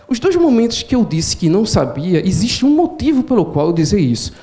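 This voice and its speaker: A man from Pernambuco, a professor giving an animated storytelling lecture. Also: sits high. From Pernambuco, Brazil. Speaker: professor and speaker.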